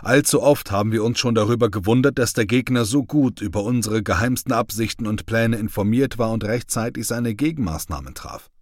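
A man's voice: lowish voice, fairly quick, few pauses, no room sound, studio quality, lightly acted. A man reading the part of a stern male army company commander giving formal, clipped orders. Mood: commanding.

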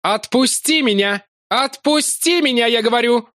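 A man reading an audiobook, voicing a hot-tempered young Irish airman who blusters in a loud, raised voice. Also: high-pitched, big pitch swings, normal speed, no echo, studio quality, pitched above the performer's own voice. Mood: furious.

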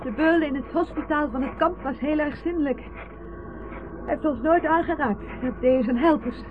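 Actress as an anxious wife, thin noisy recording. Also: female voice, sits high, normal speed, natural voice. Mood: wistful. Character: anxious wife, wistful camp survivor. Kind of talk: Dutch radio play acting. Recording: noisy narrowband old radio recording.

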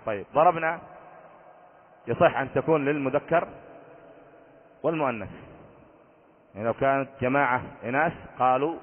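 A man's voice: medium pitch, brisk, long pauses. A man, a sheikh, teaching an Arabic grammar lesson, quizzing his students and repeating each rule. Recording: tinny phone-like audio in a long-reverb hall.

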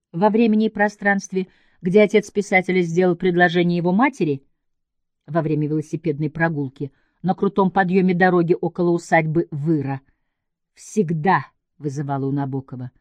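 A woman with a fairly low voice reads a literary essay in a very lively, melodic delivery. Her phrasing is measured and emphatic, set off by deliberate pauses. The recording is dry and close, with no room sound. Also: no echo. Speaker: writer giving a literary essay. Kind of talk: scripted literary essay read aloud.

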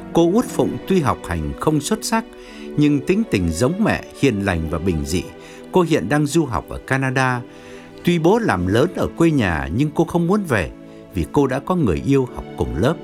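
A male narrator reads a novel aloud with very lively, sweeping pitch. His delivery is expressive and steady in the manner of an audiobook. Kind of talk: scripted narration.

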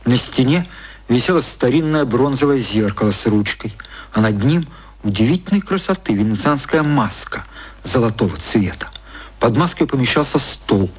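A male actor giving a measured, detached scripted narration as the narrator of a literary radio drama. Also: mid-range voice, breathy edge.

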